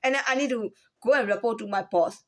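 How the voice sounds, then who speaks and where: Chinese-accented woman with a high voice. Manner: halting, repeats words, asks rhetorical questions. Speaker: former store employee. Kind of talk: personal account of a workplace complaint.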